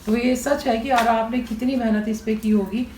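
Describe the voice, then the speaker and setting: A woman interviewer keeps the talk moving with many short, agreeing replies and follow-up remarks. Her voice has a middle pitch, and it comes through a roomy echo with faint ambient noise. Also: fairly even intonation, moderate pace, warm tone. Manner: encouraging, with frequent short affirmations. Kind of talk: conversational interview.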